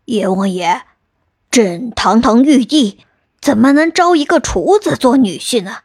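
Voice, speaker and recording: A woman voicing a proud old male heavenly emperor in a storybook tale, in a lowered, haughty voice. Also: lively intonation, unhurried, a little mellow, breathy edge, no room sound, studio quality, full character voice.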